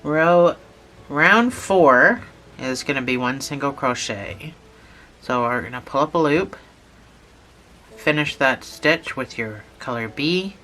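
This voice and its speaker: A channel host talking through a lesson step by step, patient and repetitive, a little hoarse from a cold. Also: mid-range voice, lively intonation, slow, bright, forceful tone, slight background noise. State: has a cold, losing voice. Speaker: instructor. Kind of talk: step-by-step tutorial narration.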